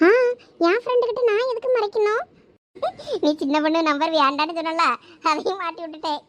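Woman playing a super high-voiced college girl, teasing and chatty. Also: fairly quick. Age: young adult. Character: cheeky talkative young college woman. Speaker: comic skit actor. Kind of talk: village comedy skit acting.

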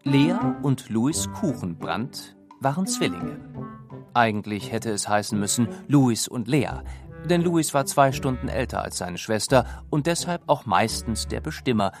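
A man with a gravelly, creaky voice narrates a children's story. His pitch is medium, and music plays behind his scripted storybook telling. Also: lively intonation, a little slow.

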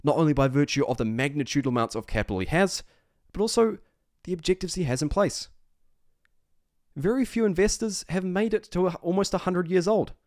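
In clean studio sound with no echo, a male investing host riffs on stocks off the cuff. His voice is high-pitched, expressive and a little mellow, moving fairly quickly as he hammers points with repeated phrases and rhetorical questions.

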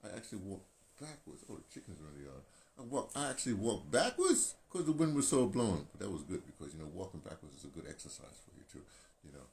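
An American man in his sixties rambling casually to his phone camera, halting and digressive, repeating phrases as he goes. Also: sits low, huge pitch swings, darkish tone. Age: 60s. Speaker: video blogger, radio veteran. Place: small painted room indoors. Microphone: phone at arm's length. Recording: clear ambient background noise.

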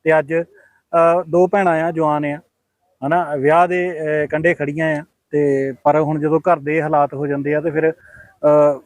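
Punjabi guy interviewer, soothing and slow, fairly high voice, dry. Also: little pitch movement, darkish tone, no echo. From Punjab, India. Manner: soothing, consoling, drawn-out phrasing. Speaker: interviewer and show host. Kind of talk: field interview and narration.

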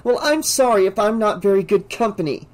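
A woman's voice: slow, darkish tone. A narrator putting on Kristen, a panicked drugged young woman. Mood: bitter. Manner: shrill screaming, then slurred. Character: exhausted, drugged young woman, frantic and defiant. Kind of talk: audiobook character voice.

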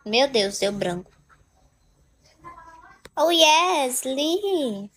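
A young woman hosts her own live stream, chatting and joking with viewers. Her voice sits on the high side, and her talk is playful and chatty, with frequent laughs. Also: very animated, extremely slow, fairly bright tone. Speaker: livestream host.

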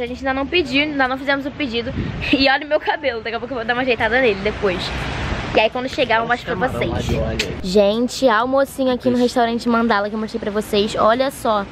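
Young woman vlogger, a little hoarse, bright chatty delivery, fairly high voice, handheld camera audio with clear background noise. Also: fast talker. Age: young adult. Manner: chatty, upbeat, addresses viewers with diminutives. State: hoarse, losing her voice. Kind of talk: casual travel vlog to camera. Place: outdoors at a beach and on a boat, later indoors in a flat. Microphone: handheld camera at arm's length.

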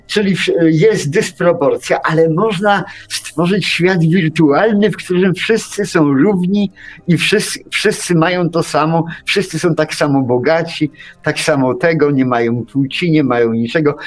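A man's voice: fairly high pitch, a little slow. A man in a casual, opinionated radio discussion, chiming in with emphatic agreement. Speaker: radio talk co-speaker. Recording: music under the talk. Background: music.

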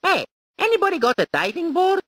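A woman's voice: very high-pitched, big pitch swings, fairly quick, a bit bright, no echo, clean studio sound, exaggerated voice. A woman voicing a cheerful adult male Italian plumber hero in a video game, with an exaggerated Italian accent and a playful, exclamatory manner.

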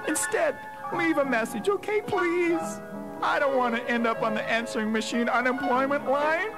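A man's voice: very high-pitched, normal speed, loud music behind the voice. A man voicing an anxious company answering machine with feelings in a scripted comic message. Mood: pleading.

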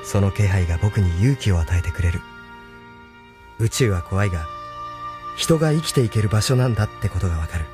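An actor playing a thoughtful, earnest young man in a radio drama, speaking softly and reflectively. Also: on the low side, animated, brisk, long pauses, music in the background, lightly acted. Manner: soft-spoken, reflective. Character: thoughtful young male leader, gentle and earnest.

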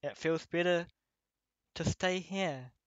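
A gentle childhood teddy bear, acted by a man, talks very slowly and tenderly in an ASMR roleplay. The delivery is wistful and loving, with frequent pauses. The recording is dry and a little dull. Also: fairly high pitch, no echo. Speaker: voice actor. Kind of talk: ASMR roleplay addressed to listener.

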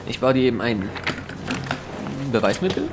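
An actor playing a laid-back, flirty police technician in a German audio drama, wry and teasing. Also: male voice, medium pitch, very animated, moderate pace, background noise.

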